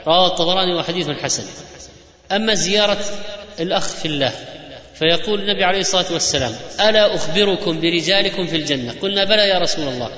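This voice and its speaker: A man giving a religious lecture, rattling off quoted sayings in a lively preaching cadence. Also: sits high, very fast. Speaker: Islamic preacher. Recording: echoey hall, dull lo-fi sound.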